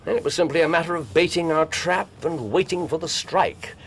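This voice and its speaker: An actor playing Sherlock Holmes, a cool and precise middle-aged detective who explains his reasoning in measured, articulate, lecturing speech in a radio drama. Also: a little high, a little hiss or hum, close to an everyday voice. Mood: explaining. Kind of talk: 1990s radio drama acting.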